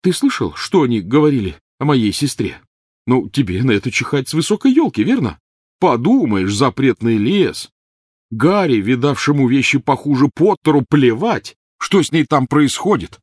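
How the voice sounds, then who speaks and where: A man's voice: on the high side, very animated, normal speed, dry recording, clean studio sound, voice pushed up. Ron, a man voicing a furious teenage boy. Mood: angry. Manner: shouting, resentful, sarcastic. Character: angry bitter teenage boy wizard.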